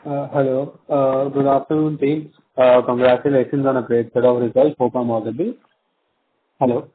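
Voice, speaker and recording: An Indian man, an investment analyst phoning into an earnings call, asking polite questions in hesitant, halting phrases. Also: mid-range voice, fairly even intonation, husky. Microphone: telephone. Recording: tinny phone line with faint noise.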